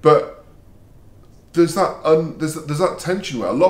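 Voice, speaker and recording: With some vocal fry, a man speaks at a moderate pace in a fairly high pitch. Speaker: professor, conference speaker. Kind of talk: casual vlog conversation.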